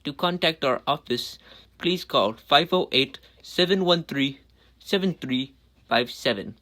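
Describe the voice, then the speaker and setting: Young man as a crisp, slightly high law-firm ad announcer, steady salesy read. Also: a little slow. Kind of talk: mock radio commercial.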